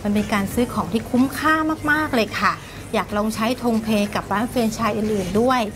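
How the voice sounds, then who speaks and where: A woman's voice: medium pitch, a little fast, background noise. A woman giving an upbeat testimonial in an ad. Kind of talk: scripted ad testimonial.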